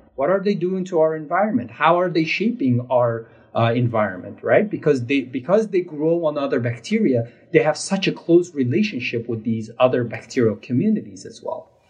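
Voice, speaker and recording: A man's somewhat breathy, fairly high voice in a Mongolian accent, at a fairly quick pace with hardly any pauses and very wide pitch swings. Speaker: microbiologist. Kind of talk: interview. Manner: halting, with many fillers.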